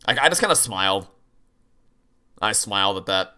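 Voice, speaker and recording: A fairly low, clear and resonant male voice, animated and sharp in tone, moves at a moderate pace. He's streaming a video game, rambling through casual chat and commentary with dry sarcastic jabs, over game music.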